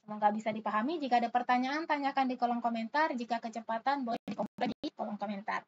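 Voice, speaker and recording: Woman tutor going thru letter puzzles, reads out each letter, a bit high voice, kinda dull lo-fi audio. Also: fast, slight background noise. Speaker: online test-prep tutor. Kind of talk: explaining letter-series puzzles step by step.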